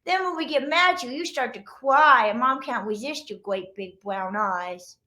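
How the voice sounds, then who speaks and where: A high-pitched little storybook puppy , acted out by a woman reading aloud. The pup speaks in sing-song rhyme, like a young sibling used to squabbling with the others. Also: lively intonation, normal speed, pushed and bright. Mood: complaining, indignant. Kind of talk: children's picture-book read-aloud.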